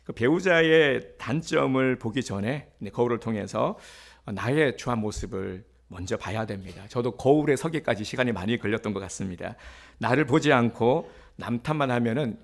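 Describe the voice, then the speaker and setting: Gravelly-voiced male pastor preaching. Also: medium pitch, lively intonation, normal speed. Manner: conversational preaching with fillers and acted quotes. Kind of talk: sermon.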